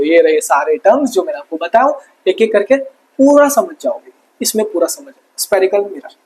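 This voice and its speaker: A young male teacher with a high, husky voice runs an online lesson. He keeps firing each term back as a question and drops in playful asides between points. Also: poor audio. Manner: repeats terms as quiz questions, joking asides.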